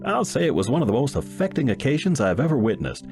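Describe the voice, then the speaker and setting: A man reading a first-person short story aloud as an audiobook narrator, in an expressive, folksy storytelling manner. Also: mid-range voice, quick pace, music in the background.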